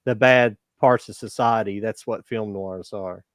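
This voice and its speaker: A man's voice: on the low side, steady tone, measured pace, dry recording. Dry-sounding man hosting a movie podcast. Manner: explains at length, reflective. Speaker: podcast host. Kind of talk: casual movie podcast chat.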